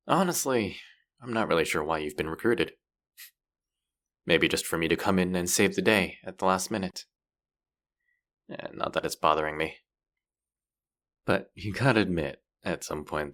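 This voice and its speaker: Man acting a low, gravelly, cocky fantasy rogue. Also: a bit bright, heavily acted. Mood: mocking, teasing. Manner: teasing, foul-mouthed, sardonic banter. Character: cocky, bratty young male fantasy rogue, street rat. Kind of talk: character roleplay audio drama spoken to the listener.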